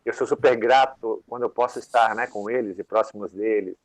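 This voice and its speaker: As a guest on a live panel, a songwriter rambles conversationally about his work, filling his speech with fillers in casual interview fashion. His lowish voice is steady and brisk, and the rough recording has no echo.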